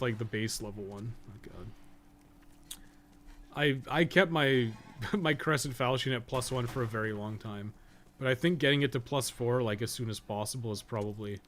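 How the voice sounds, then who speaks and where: A man's voice: medium pitch, fairly bright tone. A young man giving casual live gaming commentary, thinking aloud in a rambling, mildly sweary way. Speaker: game streamer. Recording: noticeable background noise.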